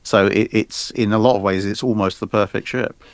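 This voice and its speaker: A man's voice: on the low side, fairly even intonation, moderate pace, no echo. A man on a livestream panel giving a casual expert explanation, articulate and methodical as he lists points.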